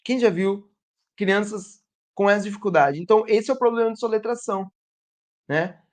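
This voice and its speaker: A man teaching a literacy lesson who sounds out letters and syllables slowly and asks his audience rhetorical questions. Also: high-pitched. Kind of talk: teaching lesson to educators and parents.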